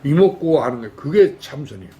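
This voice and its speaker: A man's voice: fairly high pitch, lively intonation, fairly quick, warm tone. Older monk quizzing his listeners. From Jeolla, South Korea. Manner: folksy, keeps quizzing the audience with rhetorical questions. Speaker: Buddhist monk. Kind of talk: Dharma talk sermon. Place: temple Zen hall with lay audience.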